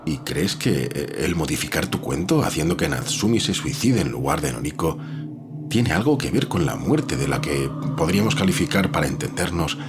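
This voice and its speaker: An actor playing a rational editor and reassuring friend in an audiobook horror drama, speaking in a measured, articulate, persuasive way. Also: male voice, a bass voice, sing-song. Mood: reasoning. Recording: clear music under the voice.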